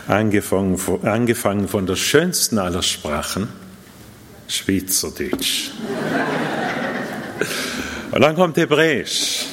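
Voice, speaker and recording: A middle-aged man raised bilingual in Japan gives an earnest, slow, emphatic sermon in the style of a personal testimony. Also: fairly low pitch, a bit bright. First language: Japanese and German, raised bilingual. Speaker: preacher. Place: church hall. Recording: reverberant church hall.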